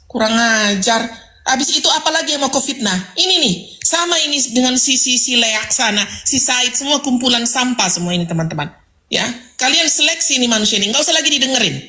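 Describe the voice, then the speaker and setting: A woman hosting a live stream lets loose an angry, insulting rant. Her voice sits high and sounds bright and sharp. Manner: angry, insulting, shouting abuse.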